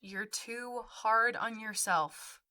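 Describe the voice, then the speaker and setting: A woman's voice: fairly high pitch, takes it slowly, bright, forceful tone. An actress playing a supportive, frank young woman in naturalistic audio drama dialogue. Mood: encouraging.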